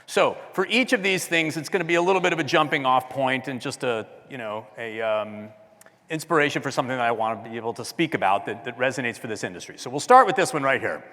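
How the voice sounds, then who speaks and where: A man giving a talk at a design conference, chatty and loud, often asking the audience questions. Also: medium pitch, lively intonation, fast, long reverb tail. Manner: loud speaking voice. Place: large hall with audience.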